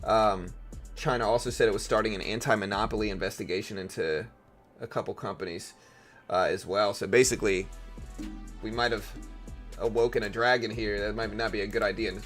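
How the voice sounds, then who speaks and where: A raspy-voiced man with a fairly low pitch hosts a casual live stream, thinking out loud and tossing questions to his chat. He reads news aloud between loose asides, with faint music playing behind him. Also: steady tone, fairly quick. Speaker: live trading stream host.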